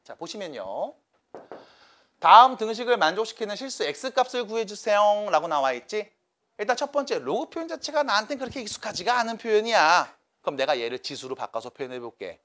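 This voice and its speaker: A man's voice: high voice, very animated, brisk, sharp tone. A man teaching a math class to students, coaxing and checking in with them by name.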